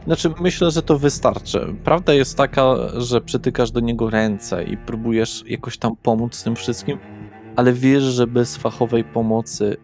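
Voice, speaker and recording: A man's voice: medium pitch, moderate pace, a little mellow. A man running a tabletop horror role-playing session as game master, narrating scenes and talking through rules. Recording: background music under the voice. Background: music.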